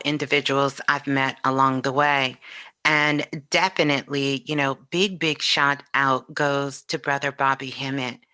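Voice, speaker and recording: A woman's voice: deep voice, pushed and bright, clean tone, no room sound. A woman answering interview questions as a show guest in a conversational, reflective way.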